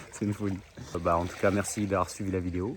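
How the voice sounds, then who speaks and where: A man talks over noticeable background noise. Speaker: motorcycle travel vlogger. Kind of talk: casual vlog talk to camera. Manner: casual, hesitant with fillers.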